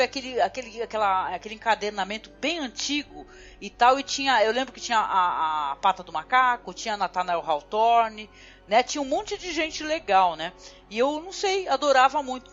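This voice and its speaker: Chatting casually on her podcast, a Brazilian host keeps dropping in "né" and other small fillers as she talks loosely. The fairly high, slightly bright voice comes through dull lo-fi audio with faint music.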